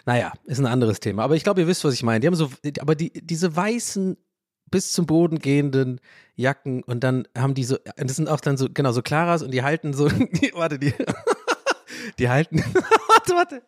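A man hosting a podcast, talking in a rambling, animated way, often interrupting himself and laughing. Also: on the high side, normal speed, no echo, clean studio sound. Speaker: podcast host. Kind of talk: casual podcast monologue.

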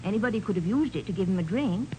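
A woman's voice: mid-range voice, expressive, racing, a little mellow, lightly acted. An actress playing an earnest, plain-spoken female servant with a folksy, deferential manner in a 1940s radio drama. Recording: noisy 1940s radio recording.

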